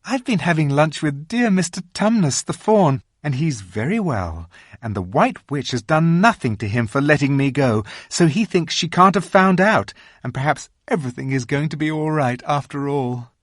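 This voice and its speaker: An eager little girl bubbling with news, as a reader voices her, lifted well above the reader's usual pitch. Her lines spill out in a lively rise and fall, read close to the mic in a very dry sound. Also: moderate pace, no echo, lightly acted. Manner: eager, breathless. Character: excited cheerful young girl. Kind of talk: audiobook reading.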